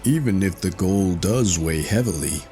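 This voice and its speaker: A man's voice: low voice, expressive, normal speed, dark tone, soft background music. A man voicing a greedy, grasping goldsmith in a fairy tale, with self-satisfied speech.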